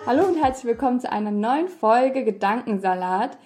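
A woman hosting a casual interview podcast, chatty and quick to laugh. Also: a little high, over music. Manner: lively, laughs often, chatty. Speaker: podcast host. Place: office room in summer heat.

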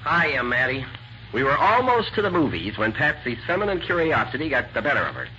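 An actor playing an impatient, slangy newspaper reporter in a 1940s radio drama. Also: male voice, mid-range voice, very animated, fairly quick, pushed and bright. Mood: breezy. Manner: slangy, breezy. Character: impatient, wisecracking young male newspaper reporter. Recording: muffled, noisy 1940s radio recording.

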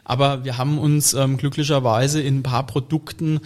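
A man's voice: medium pitch, flat delivery, moderate pace, darkish tone. A man, a butcher guest chatting casually and explaining at length with fillers. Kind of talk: casual chat.

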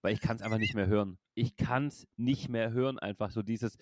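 A man's voice: lowish voice, fairly even intonation, moderate pace, no echo, studio quality. A man in his thirties hosting a casual podcast chat, rambling and laughing often, with a loose, swearing way of talking. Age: 30s. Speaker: podcast host and streamer.

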